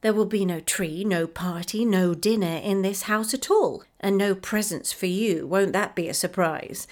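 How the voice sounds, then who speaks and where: A woman's voice: medium pitch, normal speed, lightly acted. A woman doing a playful, loving storybook mother.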